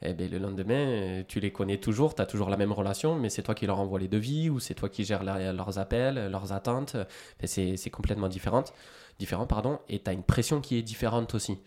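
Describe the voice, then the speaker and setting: A man's voice: fairly low pitch, fairly quick, warm tone. Chatty man with a light Toulouse accent. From central France. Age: 30s. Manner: chatty, many hesitations and restarts. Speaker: podcast guest. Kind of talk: casual interview storytelling.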